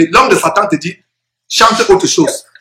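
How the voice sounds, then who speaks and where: A man's raised, projected voice, high in pitch, with lively intonation at a moderate pace. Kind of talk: religious exhortation in conversation. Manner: animated.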